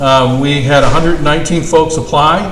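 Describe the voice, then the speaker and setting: At a moderate pace, a man talks in a fairly high pitch, with audible room echo and noticeable background noise. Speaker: township supervisor. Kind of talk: public meeting report. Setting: town meeting. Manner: loud.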